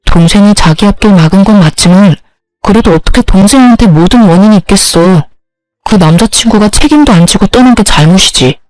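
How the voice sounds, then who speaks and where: A defensive husband, acted out by a woman argues in a slow, slightly lowered voice. He leans in hard and insistently. The recording is close and dry. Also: a little mellow, dry recording, natural voice, low-quality recording. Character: defensive husband, pleading then angry.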